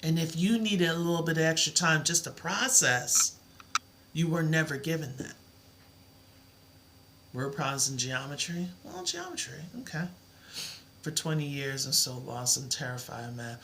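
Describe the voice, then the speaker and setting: Bright-voiced encouraging woman tutor. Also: deep voice, animated, moderate pace, slight background noise. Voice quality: soothing. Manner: encouraging, reassuring. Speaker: math tutor. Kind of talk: live-streamed math lesson.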